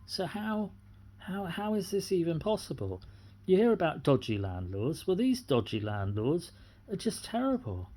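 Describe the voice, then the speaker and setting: An aggrieved middle-aged British tenant talks off the cuff in a soft-edged, mellow voice. The pitch sits in a middle register and moves around freely. The delivery is indignant and repetitive, like a personal complaint spoken without a script. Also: big pitch swings, moderate pace. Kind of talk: unscripted personal grievance monologue.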